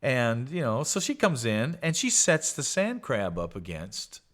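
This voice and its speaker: Lively man telling a childhood story. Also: mid-range voice, measured pace. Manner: animated, acts out childhood voices. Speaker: podcast host.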